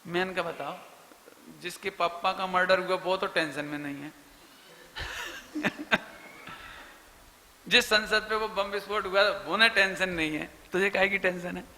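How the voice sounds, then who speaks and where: A man preaches in a question-and-answer session with a high, piercingly bright voice. He explains patiently and stretches out chanted syllables. The sound rings through a reverberant hall. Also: measured pace, long pauses. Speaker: Jain preacher. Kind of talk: religious Q&A discourse.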